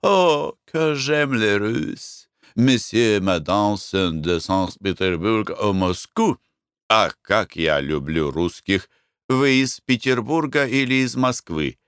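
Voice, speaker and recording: A man's voice: lowish voice, animated, takes it slowly, fairly bright tone, clear, resonant tone, no room sound, clean studio sound, exaggerated voice. A man voicing an effusive, stout, middle-aged French woman, a former singer, with a French accent and a gushing, theatrical manner.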